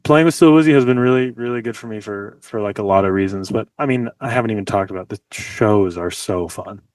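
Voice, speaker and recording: In a casual interview over a video call, an American guest musician from Los Angeles talks in a chatty way, leaning heavily on "like." His voice is on the low side, a bit fast and slightly mellow, captured dry by a mic set slightly distant.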